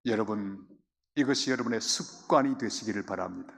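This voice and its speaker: A male pastor preaching a sermon with fervor, dropping to quiet asides and rising to loud, urgent exhortation. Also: lowish voice, brisk, vocal fry, slight background noise. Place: church sanctuary. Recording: long church-hall reverb.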